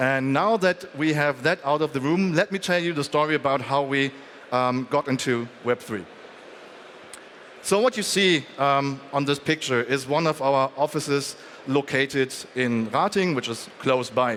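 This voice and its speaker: Noticeable background noise sits behind a man at a moderate pace. His pitch is fairly high. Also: ordinary pitch variation. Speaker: software consultant. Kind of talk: conference talk. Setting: stage with audience. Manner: loud.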